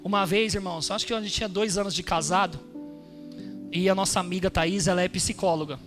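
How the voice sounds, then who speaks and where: A male pastor preaches emphatically to his congregation, calling out for amens. His voice sits fairly high. Faint music plays behind him in the church hall. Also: steady tone, a little fast. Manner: emphatic, addresses congregation as brothers with frequent amens. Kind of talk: sermon. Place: church hall during a service.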